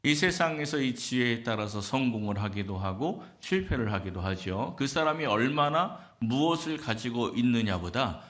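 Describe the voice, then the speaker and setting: A male pastor giving a sermon in an animated storytelling style, acting out the quotes. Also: medium pitch, moderate pace, few pauses.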